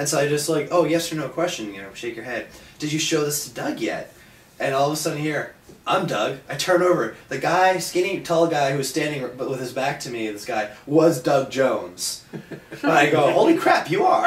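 Moderate pace, with audible room echo. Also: man, ordinary pitch variation, big swings in loudness. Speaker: podcast panelist. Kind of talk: casual anecdote in group chat. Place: home room. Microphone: camera far.

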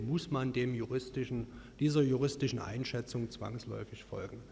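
There is a somewhat breathy quality to this man's voice. He keeps a moderate speed. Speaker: city councillor. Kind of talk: council debate speech. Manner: indignant.

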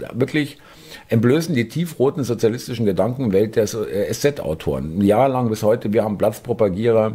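A man speaks at a moderate pace in an animated tone. His intonation is lively. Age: 50s. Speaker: political commentator. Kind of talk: video commentary. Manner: halting, many filler sounds; animated, indignant.

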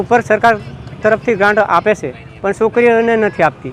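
Noticeable background noise sits behind a man whose high voice shows ordinary pitch variation. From Gujarat, Kavant taluka, Chhota Udepur. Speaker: parent of a student. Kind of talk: news interview statement. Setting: outside district collector office.

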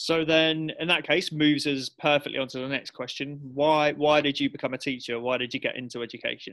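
A man speaks in a monotone, flat intonation with hardly any pauses over a quiet background. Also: fairly quick pace. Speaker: school podcast host, teacher. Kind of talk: casual interview. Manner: jokey, playful. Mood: friendly, upbeat. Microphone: webcam.

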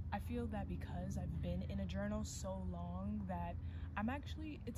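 A woman talks at a fairly quick pace. Loud noise fills the background. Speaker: video blogger. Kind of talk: personal vlog monologue. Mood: reflective, calm, a bit vulnerable. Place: garden.

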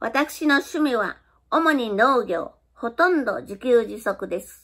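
The delivery is very slow, with lively intonation. The tone comes across bright and sharp. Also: woman, quiet background. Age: old. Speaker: retired fishmonger and farmer. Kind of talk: reading a personal essay aloud. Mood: calm, warm. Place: home room. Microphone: phone near.

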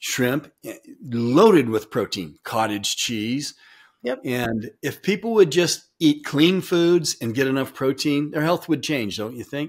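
A plain, everyday voice from a man, fairly high in pitch, with lively intonation at a fairly slow pace. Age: 60s. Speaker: fitness channel host; interview guest. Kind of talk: casual chat. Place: office.

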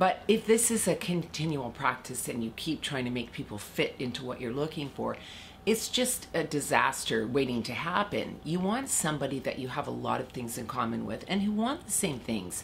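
With vocal fry and a very deep, low pitch, a woman speaks at a moderate pace with very wide pitch swings and hardly any pauses over light background noise. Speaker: relationship advice host. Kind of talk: advice talk to camera. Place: home room.

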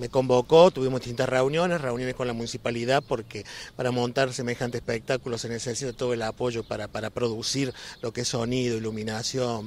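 Light background noise sits under a man talking at a fairly quick pace with fairly even intonation, in a dry sound with no echo. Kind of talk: interview answer. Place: street. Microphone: handheld.

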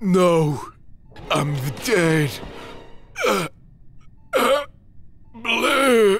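A man performs a put-on character voice at a high pitch. Faint music plays in the background. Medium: audio drama. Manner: hesitant, uncertain.

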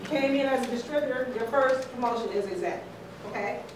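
With audible room echo and noticeable background noise, a woman speaks at a high pitch and a fairly quick pace. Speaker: network marketing team leader. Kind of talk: business training talk. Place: meeting room. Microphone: camera far.

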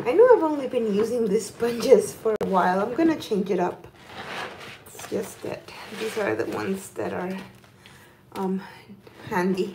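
Against noticeable background noise, a woman speaks at a fairly high pitch and a moderate pace, with ordinary pitch variation. Her loudness swings widely, and she takes long, frequent pauses. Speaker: ASMR content creator. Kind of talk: ASMR livestream chat, casual talk to camera. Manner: soft-spoken. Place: kitchen. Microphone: phone near.

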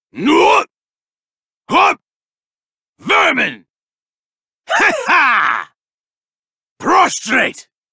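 A man's put-on character voice at an extremely high pitch, delivered at a very slow pace. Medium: dub. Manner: haughty, commanding.

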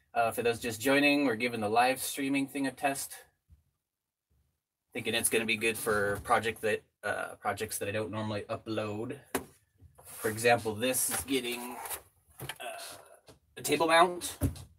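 A man at a moderate pace with ordinary pitch variation and long, frequent pauses, amid noticeable background noise. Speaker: RV vlogger. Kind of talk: casual live stream chat. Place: home room.

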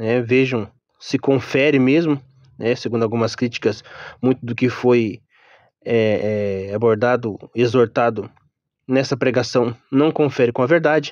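Against a quiet background, a man at a medium pitch speaks with fairly even intonation and long, frequent pauses. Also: fairly slow pace. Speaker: YouTuber commenting on church sermon. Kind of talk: casual vlog commentary. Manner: casual, hesitant, filler-heavy.

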